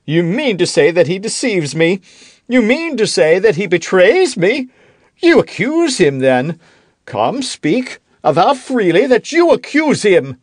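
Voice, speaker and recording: Man reading as a high, whiny king, petulant and self-pitying, swinging pitch, dry close sound. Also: big pitch swings, unhurried, no echo, exaggerated voice. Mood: indignant. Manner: rising into indignant outbursts. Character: fretful, self-pitying middle-aged king, quick to anger. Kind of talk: audiobook character reading.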